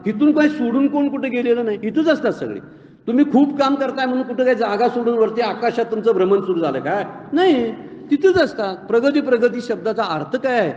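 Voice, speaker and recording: A man's voice: extremely high pitch, expressive, brisk, darkish tone. A man gives a devotional discourse on scripture, telling folksy stories and asking rhetorical questions. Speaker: spiritual discourse speaker. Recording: roomy echoing hall, slightly muffled.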